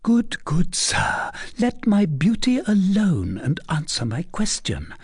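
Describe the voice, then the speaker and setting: A man voicing a young noblewoman who reproaches her suitor, pitched well up and sometimes whispered. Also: wildly swooping pitch, slow, breathy edge, no echo, full character voice. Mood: reproachful.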